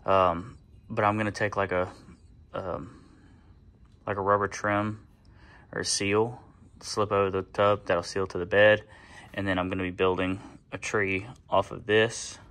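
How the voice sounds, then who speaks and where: Laid-back low-voiced man in a shop. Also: a little slow, pauses often. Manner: relaxed, rambling, with many fillers. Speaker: fabricator and channel host. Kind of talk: casual shop vlog. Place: garage workshop.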